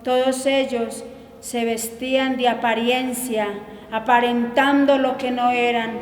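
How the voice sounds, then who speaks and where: A woman preacher tells her testimony earnestly, pressing each point home. Her high voice keeps to a narrow, steady range. Long reverb from a hall hangs on every phrase. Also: slow pace. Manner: earnest, insistent storytelling. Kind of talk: sermon testimony.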